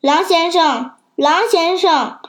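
An earnest, trusting shepherd, as a child puts him on. He speaks with feeling in a high voice at a slow, careful pace. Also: fairly bright tone, heavily acted. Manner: earnest and emotional. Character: trusting, grateful male shepherd.

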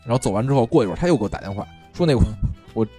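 Fast, lively man telling a story. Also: mid-range voice, soft background music. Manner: animated storyteller, swears freely, stammers restarts. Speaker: podcast co-host. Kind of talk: casual storytelling chat.

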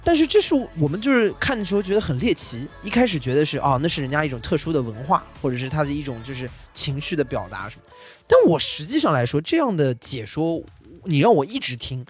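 A man talking casually on a podcast, explaining his views in an animated way. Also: fairly high pitch, quick pace, soft background music. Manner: animated, explanatory, lots of fillers. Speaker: podcast host. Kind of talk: casual chat.

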